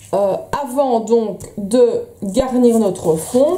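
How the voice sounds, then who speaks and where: Recorded with audible room echo and noticeable background noise, a woman with a fairly high pitch speaks very slowly, her pitch varying in an ordinary way. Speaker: scrapbooking tutorial maker and shop owner. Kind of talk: tutorial. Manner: hesitant, many fillers; casual, chatty.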